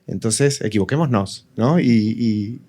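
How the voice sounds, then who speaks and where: A man's voice: fairly low pitch, unhurried, warm tone. A man speaks casually on a panel, opinionated and persuasive, repeating words for emphasis. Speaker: audio fiction writer, panelist.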